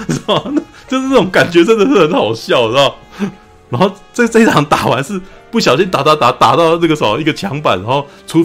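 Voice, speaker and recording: A man's voice: medium pitch, fairly bright tone. A man, chatting casually as a podcast co-host, rambling and laughing with mild swearing. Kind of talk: casual movie review chat.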